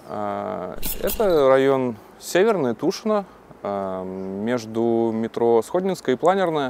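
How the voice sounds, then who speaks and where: A man's medium-pitched voice at a very slow pace, with very wide pitch swings. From Moscow. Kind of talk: casual chat.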